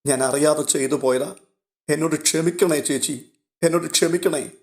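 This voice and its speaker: A man's voice: medium pitch, flat delivery, moderate pace, darkish tone, lightly acted. A man playing a remorseful young man who is a younger brother, pleading in a broken voice.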